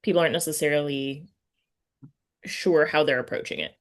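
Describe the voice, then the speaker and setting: A woman's voice: deep voice, steady tone, brisk. A woman hosting a casual literary interview, speaking informally and thinking aloud as she forms her questions. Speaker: podcast interviewer and writing teacher.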